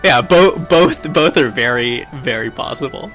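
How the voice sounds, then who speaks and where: Male tabletop player, mid-range voice, measured and drily understated, music behind. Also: mid-range voice, animated. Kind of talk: describing his roleplaying character. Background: background music.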